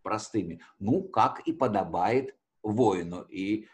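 A man's voice: on the low side, slow. A man teaching history conversationally, explaining with hesitations and rephrasing his key words as he goes.

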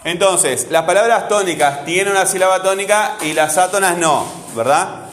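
A man's voice: high-pitched, moderate pace, fairly bright tone, echoey room. A man teaching a grammar class in a Rioplatense Spanish accent, patiently repeating his questions to the students.

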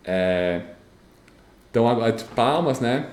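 A young Brazilian man telling a story in casual chat, animated and repeating himself, with a slight stammer. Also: medium pitch, measured pace, roomy sound. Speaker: storyteller recounting his graduation speech.

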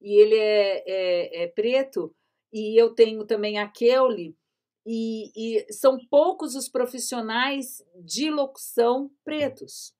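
A woman's voice: on the high side, steady tone, takes it slowly, darkish tone. A woman, a commercial voice-over artist, hosting a casual live panel chat over a video call in a conversational, engaged way.

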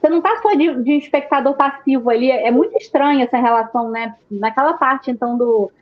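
On a muffled recording, a high-voiced woman talks fast as she discusses movies on a panel. She is from Rio de Janeiro, Brazil, and speaks with a Carioca accent, keeping it loose and casual with local street slang and offhand swearing.

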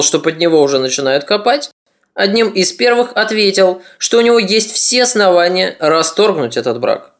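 Give me a calm, deliberate male podcast narrator reading a history script. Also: high voice. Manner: steady, deliberate storytelling.

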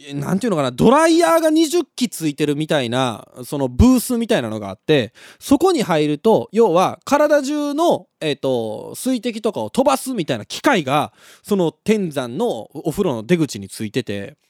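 A young man with a Kansai accent hosts a late-night radio show, chatting casually and laughing at his own stories. His voice sits fairly high and swings widely in pitch. The sound is dry and close, with no room echo. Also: moderate pace, few pauses. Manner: animated storytelling, laughs at his own story. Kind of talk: casual live radio talk.

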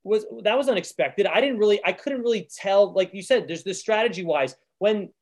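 Fast-talking, high-voiced man co-host. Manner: quick, questioning, says "man" and "dude". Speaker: podcast co-host. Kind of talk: casual aftershow chat.

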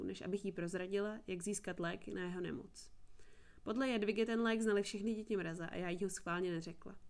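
A woman's voice: medium pitch, darkish tone, lightly acted. Woman reading captive young woman, earnest and pleading, audiobook. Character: young woman held captive, eager and bitter.

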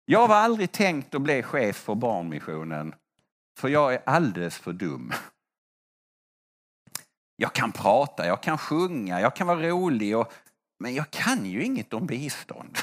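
A man's voice: medium pitch, big pitch swings. A man preaching a testimony sermon as a mission leader, telling stories and acting out the voices of the people he quotes.

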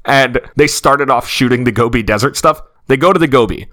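A young man co-hosting a casual film podcast, chatty and animated as he tells stories. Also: mid-range voice, a little fast. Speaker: podcast co-host.

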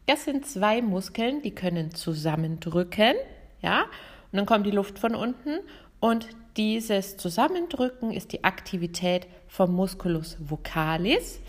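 A woman, hosting a podcast lesson as a vocal coach, talking directly and lively to the listener. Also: mid-range voice. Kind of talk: podcast lesson on singing technique.

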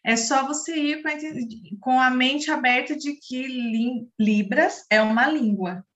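A woman's voice: sits high, measured pace, a bit bright. A woman with a Brazilian accent chatting casually as an interview guest. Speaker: sign language interpreter, podcast guest. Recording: dull, echoey lo-fi room sound.

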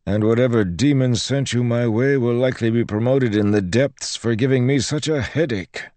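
A man doing a crotchety old priest, pitched up. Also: moderate pace, darkish tone, no room sound, lightly acted. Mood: exasperated. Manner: patronising, exasperated. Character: crotchety old male priest, weary and condescending.

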